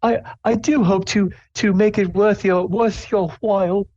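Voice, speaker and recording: Skinny male elf dart player, courteous and formal, with a high voice, played by a man. Lo-fi recording. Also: fairly even intonation, unhurried, darkish tone.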